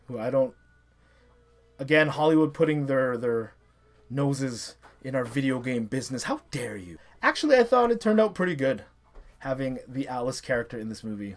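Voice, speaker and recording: A man around his thirties or forties giving casual, opinionated countdown commentary as an enthusiastic fan and online review host. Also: mid-range voice.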